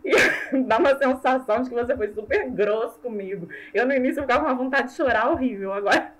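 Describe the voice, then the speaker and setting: A woman from Brazil with a Brazilian Portuguese accent, a language teacher chatting as an interview guest, self-mocking and quick to laugh. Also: high-pitched, animated, poor audio. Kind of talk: casual conversational interview.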